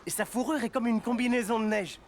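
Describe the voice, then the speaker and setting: A man's voice: extremely high pitch, fairly quick, a little hiss or hum. A man voicing a friendly, patient sled-dog driver in a children's cartoon, explaining things encouragingly. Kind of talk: animated children's cartoon dialogue.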